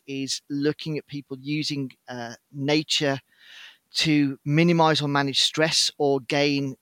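A middle-aged British man, a podcast guest, explaining his outdoor work in a measured, articulate way. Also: fairly high pitch, fairly bright tone, dry recording. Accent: British English. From United Kingdom. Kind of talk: casual podcast interview.

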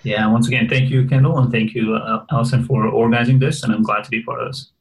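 A man, speaking as an interview guest. He tells his story thoughtfully, often restarting sentences and pausing on fillers. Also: mid-range voice, level tone. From Afghanistan. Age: 20s. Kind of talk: reflective storytelling interview answers.

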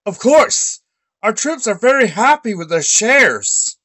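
A man as a high-voiced, businesslike raid leader. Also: sing-song, slow, bright, forceful tone, heavily acted. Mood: matter-of-fact. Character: male troop leader reporting on raids and loot.

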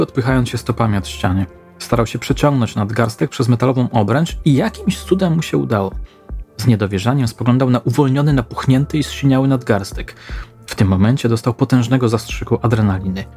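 Man reading a slow, measured crime story. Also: medium pitch, a little mellow. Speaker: narrator. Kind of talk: scripted true-crime narration.

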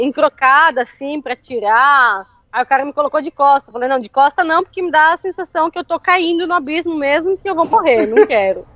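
A woman telling a story in casual chat, animated and often laughing. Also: high voice, dry recording, highs cut off. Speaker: interview guest.

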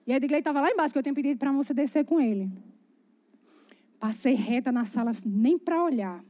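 A woman preaching, her voice set high and bright. She tells her sermon as a chatty, animated story and keeps turning to speak directly to the congregation. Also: fairly quick.

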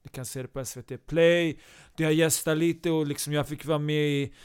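A breezy young woman guest chats on in a comedy podcast sketch, as a man plays her. The voice sits a little high and stays flat and even, with a smooth, clean tone. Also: natural voice.

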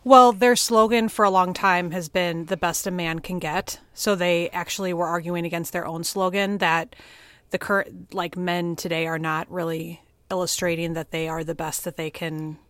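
A woman's voice: fairly low pitch, steady tone, normal speed, a bit bright, dry recording. Upbeat woman podcaster, dry sound. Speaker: podcast co-host. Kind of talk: casual podcast chat.

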